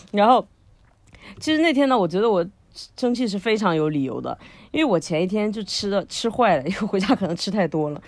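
A woman co-hosting a podcast, telling a long personal story in a lively way, laughing often and using lots of fillers. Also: medium pitch, fairly quick, no room sound. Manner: animated, frequent laughter, many fillers. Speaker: podcast co-host. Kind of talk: casual storytelling chat.

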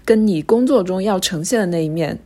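A woman podcast co-host giving a measured, halting explanation in casual chat. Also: mid-range voice, expressive, dark tone.

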